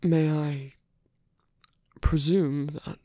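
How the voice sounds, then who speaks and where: A man playing a wounded, gentlemanly villain in love in an intimate ASMR roleplay, breathy and husky, often whispering, with a hesitant, polite, weakened delivery. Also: on the high side, steady tone, no room sound, clean studio sound. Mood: tender, hesitant. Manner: hesitant, halting, polite and formal.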